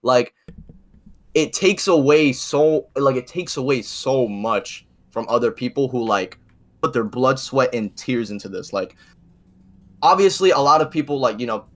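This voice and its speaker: A man chatting casually as a podcast co-host, halting and slangy, with frequent filler words as he makes his point. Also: medium pitch, fairly bright tone. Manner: halting, slangy, heavy use of "like". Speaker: podcast co-host, video creator. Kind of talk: casual opinion chat.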